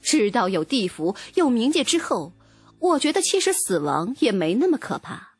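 A woman giving an expressive, dramatic first-person audiobook narration. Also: fairly high pitch, normal speed, breathy edge, dry recording, faint music behind.

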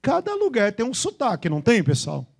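A man's voice: very high voice, huge pitch swings, a little fast, gravelly, husky. A man preaching a sermon to his congregation in a São Paulo interior accent, playfully imitating regional ways of speaking. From Brazil. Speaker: pastor. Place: church with a congregation.

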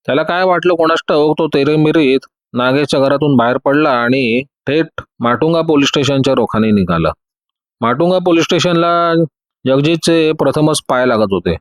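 A man narrating a dramatic story as an audiobook, voicing the characters' shouted lines himself. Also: on the high side, normal speed, no room sound.

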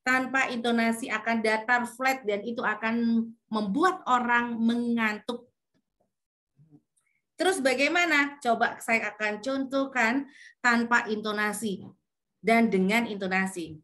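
A woman's voice: a little high, a little slow, a bit bright. A woman, teaching a public speaking class over a video call and acting out her examples with changing intonation. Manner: demonstrative, shifts intonation to show examples. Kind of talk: online class lecture.

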